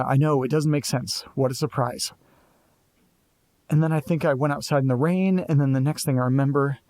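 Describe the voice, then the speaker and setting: An actor playing a restless, sardonic young man in an audio drama, who keeps piecing clues together out loud. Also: mid-range voice, dry recording, lightly acted. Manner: sardonic, restless, quick to jump to conclusions. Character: Nate, anxious young man chasing a mystery.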